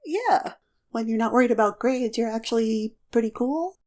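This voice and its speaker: High-voiced, flippant college student played by a woman. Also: normal speed, a little mellow, lightly acted. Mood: awkward, friendly. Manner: casual, joking. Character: flippant, easygoing young college student Keating. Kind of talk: audio drama romantic comedy dialogue.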